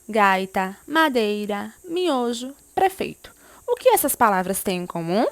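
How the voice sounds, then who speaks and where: A woman's voice: fairly high pitch, no room sound. A woman teacher giving a remote lesson to young pupils, explaining step by step and often asking them questions. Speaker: primary school teacher.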